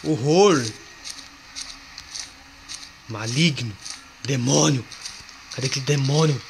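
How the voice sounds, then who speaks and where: Over a noisy background, a horror-game player with a slow, mid-range voice and vocal fry keeps up casual commentary for his viewers and a friend. Excitable, he lets out yelps at the jump scares.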